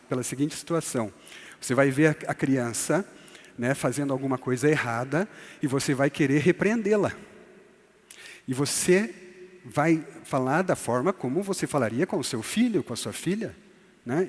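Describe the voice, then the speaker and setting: A man teaching a church couples course in a conversational way, often tagging his sentences with a questioning "né?". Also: on the high side. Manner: conversational, tags lines with "né?", acts out quoted voices. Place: church hall. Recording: long hall reverb.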